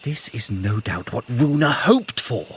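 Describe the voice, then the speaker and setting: An actor playing a sly, playful trickster god in an audio drama, smug and teasing, with arch, formal, theatrical phrasing. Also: male voice, mid-range voice, sing-song, unhurried, slightly rough, exaggerated voice. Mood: smug, pleased. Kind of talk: scripted audio drama acting.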